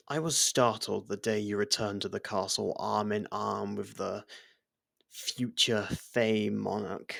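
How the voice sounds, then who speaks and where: A performer voicing a devoted, worried royal servant who speaks formally and haltingly in an ASMR fantasy roleplay. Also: mid-range voice, vocal fry, fairly bright tone, no room sound, studio quality, pitched below the performer's own voice, exaggerated voice. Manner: earnest, formal, deferential, halting. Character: devoted royal servant, worried, gently scolding close friend.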